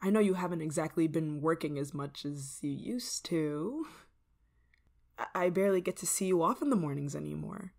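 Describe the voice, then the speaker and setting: A woman voicing an obsessive, controlling neighbor in an ASMR roleplay, soft-spoken and slipping into whispers with a sweet, creeping menace. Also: low-pitched, animated, normal speed, gravelly, heavily acted. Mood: coaxing.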